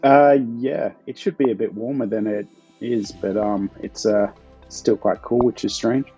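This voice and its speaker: Muffled, mellow Australian man, low and husky. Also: steady tone, a little slow, soft background music. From Perth, Australia. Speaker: podcast guest, author. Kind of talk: casual, low-key interview chat.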